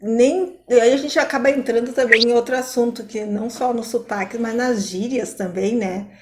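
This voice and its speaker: A woman with a strong Porto Alegre accent chats as a co-host, throwing in quick asides. Her voice sits slightly high for a woman. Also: steady tone, background noise. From Porto Alegre, Brazil. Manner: chatty, quick asides, laughs easily. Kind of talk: casual chat.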